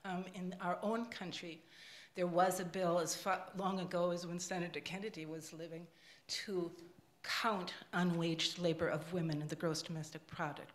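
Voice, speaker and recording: An older woman in the audience giving an impassioned comment into a handheld microphone at a panel, getting louder and more emphatic. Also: lowish voice, fairly even intonation, moderate pace. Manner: emphatic, grows louder and forceful. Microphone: handheld microphone passed in audience. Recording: echoey room.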